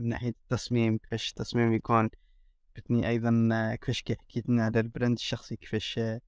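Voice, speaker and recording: Man, flat monotone delivery, very fast, dry sound. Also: mid-range voice, no room sound. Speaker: podcast host. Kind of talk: closing remarks in a podcast.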